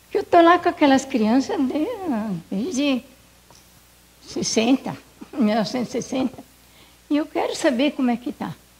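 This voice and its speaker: The pace is very slow, with long, frequent pauses and lively intonation. Noticeable background noise is present. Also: woman, high pitch for a woman. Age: 80s+. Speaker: church member. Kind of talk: testimony. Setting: church Sunday school with audience.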